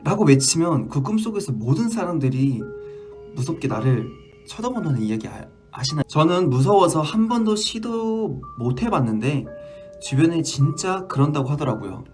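A man in his twenties hosting a casual livestream, reading fan stories aloud with an animated, jumpy manner. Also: on the high side, normal speed, soft background music. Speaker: idol livestream host.

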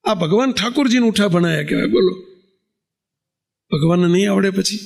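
A man, a monk, preaching a sermon to a congregation, asking the crowd rhetorical questions and telling stories with lively animation. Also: high voice, brisk, creaky, husky.

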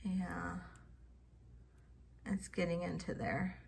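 A middle-aged woman casually showing off vintage jewelry finds, thinking aloud and trailing into soft mutters as she tests stones. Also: fairly low pitch, fairly even intonation, slow, gravelly, slight background noise. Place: home office at a table.

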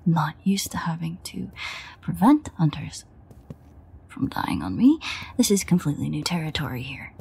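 Woman acting a low-voiced, frantic female vampire. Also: very animated, darkish tone, exaggerated voice. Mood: anxious, flustered. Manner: halting, swearing, breathy half-whispers. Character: frantic, foul-mouthed female vampire caring for wounded companion. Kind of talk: audio roleplay, intimate dramatic monologue. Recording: echoey reverberant sound, storm noise behind.

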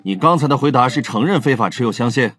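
Guy doing a formal cop asking questions, husky, composed, audiobook, faint music behind. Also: mid-range voice, lively intonation, quick pace, fairly bright tone. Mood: businesslike. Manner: formal, direct. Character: composed, businesslike male police interrogator.

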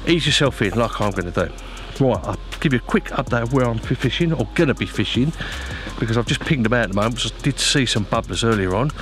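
A man's voice: mid-range voice, animated, fast talker, a bit bright. Matey man with music behind. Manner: informal, matey, colloquial. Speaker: angler presenting a fishing vlog. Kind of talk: casual vlog chat to viewers with practical advice.

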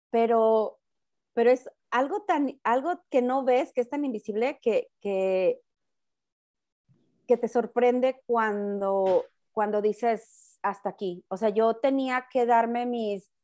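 A middle-aged woman with a Mexican accent talks in a loud, high voice that sounds close to shouting. She chats casually as a guest on a talk show, often breaking off and repeating herself. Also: slow. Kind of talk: casual chat.

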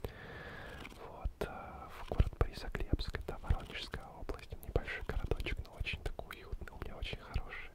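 Soothing man whispering close to the mic. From Ukraine. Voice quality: soft, breathy, indistinct whisper. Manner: soothing, calm, unhurried, lulling. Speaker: ASMR host. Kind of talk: whispered ASMR book reading and chat. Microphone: two foam-covered microphones, very close.

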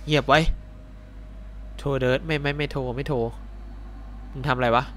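A male game streamer doing casual let's-play commentary, excitable and swearing as he reacts. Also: medium pitch, moderate pace, a little hiss or hum.

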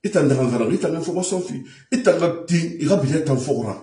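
A man's voice: on the high side, expressive, fairly quick, warm tone, echoey room. A man giving an emphatic monologue to communicators, repeating his points and mixing French with a local language. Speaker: commentator addressing communicators. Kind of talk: impassioned monologue.

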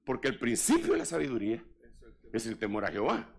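Gravelly older preacher, lively delivery. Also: male voice, mid-range voice, quick pace. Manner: animated, joking asides to the congregation. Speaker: apostle preaching. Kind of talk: sermon.

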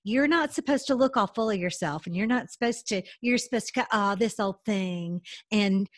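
A woman's voice: mid-range voice, moderate pace, no echo, clean studio sound. A middle-aged woman from the southern United States hosting a video-call interview, talkative and enthusiastic. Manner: enthusiastic, talkative, fillers like you know. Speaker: host. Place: home room indoors. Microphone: video call webcam.

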